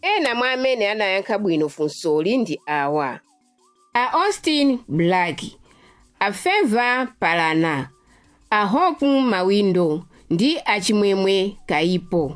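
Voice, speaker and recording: Female radio presenter, Malawian accent, scripted announcing, lively intonation, medium pitch, soft music bed. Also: measured pace, no echo.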